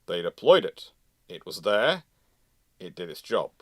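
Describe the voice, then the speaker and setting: A British man hosting a live question-and-answer talk, explaining things with halting restarts and emphatic repetition. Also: deep voice, big pitch swings, no room sound, clean studio sound. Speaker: host answering audience questions. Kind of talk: live Q&A, explanatory commentary on naval matters.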